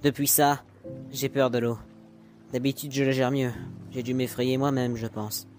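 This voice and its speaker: A man's voice: mid-range voice, level tone, normal speed, over music, natural voice. A man voicing a sassy, slangy, teasing gay demon who grew up in the mob, in a French fan comic dub. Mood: confiding. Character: sassy, crude, teasing gay male spider demon ex-mobster.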